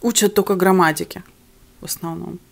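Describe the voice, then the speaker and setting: Her voice lowish, creaky, steady, and a little fast, a young mukbang vlogger talks casually to camera while eating indoors in her living room. Russian is not her first language. The camera sits on the table in front of her.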